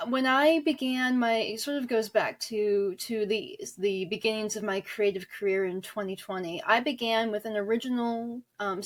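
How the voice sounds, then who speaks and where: Woman, twenties, interview guest. Thoughtful, halting delivery, feeling for each phrase. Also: a little high. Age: 20s. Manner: halting, searching for words. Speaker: guest author and audio drama creator. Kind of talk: reflective interview talk.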